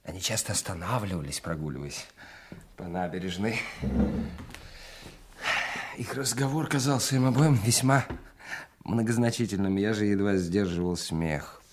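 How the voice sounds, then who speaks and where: A male actor plays a knowing secret agent in an audio drama. His voice is low and husky. He is polite and measured, with a sly, insinuating edge and deliberate pauses. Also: close to an everyday voice. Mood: sly, amused.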